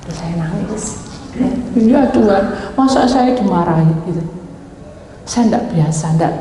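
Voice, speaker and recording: A middle-aged woman pastor preaches in a conversational yet emphatic manner. Her voice sits at an ordinary pitch and rings through a large, echoey church hall with a long tail of reverb. A faint hum of room ambience lies underneath. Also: a little mellow. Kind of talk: sermon.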